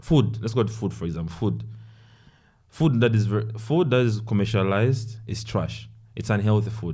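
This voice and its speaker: Through audible room echo, a man with a fairly low pitch, a dark, mellow tone and vocal fry speaks at a moderate pace with ordinary pitch variation. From Zambia. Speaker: musician. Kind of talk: interview.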